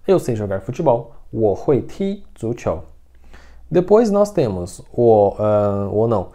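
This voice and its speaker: A man teaching Mandarin in an online lesson, saying sentences slowly for drills and explaining them in chatty full of "né?" and "tá?". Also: on the low side, big pitch swings, dark tone. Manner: slow drilled Mandarin, chatty Portuguese asides with "né?" and "tá?".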